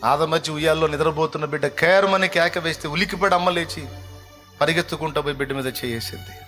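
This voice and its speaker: A man's voice: a little high, fast. Fervent male preacher with faint music. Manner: emphatic, swings between loud cries and hushed intensity. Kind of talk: sermon.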